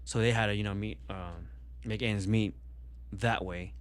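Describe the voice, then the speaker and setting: A man's voice: lowish voice, fairly even intonation, unhurried. A young man born in Vietnam, talking casually on a podcast and rambling with many fillers and restarts. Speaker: podcast guest.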